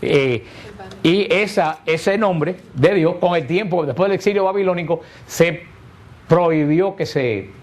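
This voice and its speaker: A man with a somewhat high voice leads a catechesis class. He explains patiently, often stopping to throw a question at his listeners before he answers it himself. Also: measured pace. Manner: explanatory, asks rhetorical questions and answers them. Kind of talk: catechesis lesson to a group.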